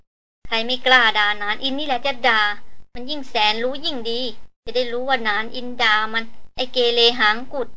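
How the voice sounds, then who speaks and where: A woman's voice: fairly high pitch, normal speed, bright, forceful tone. A woman doing a foul-mouthed old hunter. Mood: scolding. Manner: gruff, cursing, scolding.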